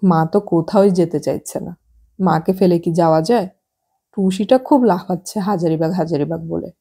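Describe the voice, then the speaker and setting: A woman reading the part of an easygoing businessman husband in his thirties in an audiobook, in calm, coaxing talk. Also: on the low side, moderate pace, gravelly, slightly rough.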